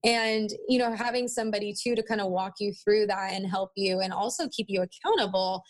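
A woman in her twenties who owns a marketing agency chats as a guest in a casual podcast interview. Her medium-pitched voice is brisk, and she talks in a valley-girl way, peppering everything with "like" and "you know".

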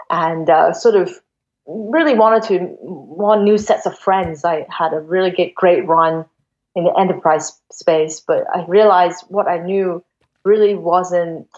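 A woman's voice: on the low side, a little mellow. A woman in her forties from Hong Kong, a guest investor telling her story in a chatty way, with many fillers and restarts. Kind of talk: casual interview storytelling. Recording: dull lo-fi sound.

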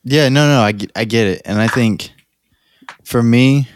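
A man's voice: mid-range voice, normal speed, slight background noise. A man co-hosting a podcast, talking in a laid-back, casual way and laughing often. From United States. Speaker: podcast co-host. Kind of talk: casual chat.

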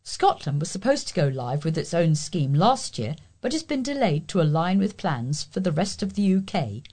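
Husky, expressive woman news reader. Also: on the low side, normal speed. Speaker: volunteer reader of local news. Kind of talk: read-aloud local news and magazine column.

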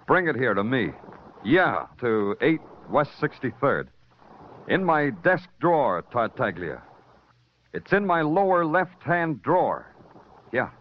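An actor playing a hard-boiled detective who narrates in a terse, clipped, world-weary way, in 1950s radio drama acting. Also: male voice, medium pitch, a little hiss or hum. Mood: urgent. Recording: dull old radio recording with music.

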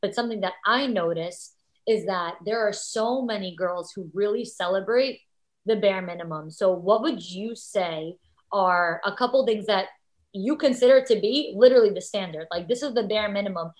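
A woman's voice: mid-range voice, moderate pace. Enthusiastic young woman host, chatty. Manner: enthusiastic, affirming, repeats words while thinking. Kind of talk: casual podcast conversation.

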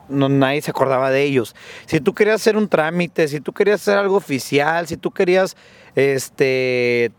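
Slangy northern Mexican guy, raised voice. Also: on the high side. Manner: joking, slangy, theorizing. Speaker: podcast host. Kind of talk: casual chat.

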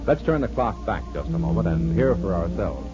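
A man's voice: low-pitched, big pitch swings, moderate pace. A man in the voice of an old radio broadcast, announcing with an emphatic, selling lilt that rises and falls freely. The sound is dull and lo-fi, and faint music plays beneath him.

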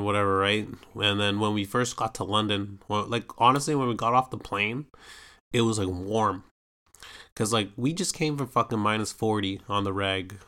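Rambling through a personal story on his podcast, this young man from Canada swears freely, leans on filler tags, and animatedly performs the voices of people he quotes. His voice is lowish, pushed and bright, with a clean tone.

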